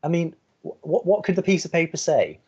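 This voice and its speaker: A man's voice: on the high side, very animated, brisk, dark tone, husky, dull audio. A young man acting a dry-witted, sceptical college radio co-host who argues with reason in a scripted romantic comedy audio drama. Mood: wry, dismissive. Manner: wry, sardonic, reasoning.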